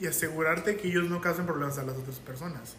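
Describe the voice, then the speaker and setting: A man's fairly high-pitched voice with audible room echo. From Mexico, Tampico, Tamaulipas. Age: 20s. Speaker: guest, coworker. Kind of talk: casual chat.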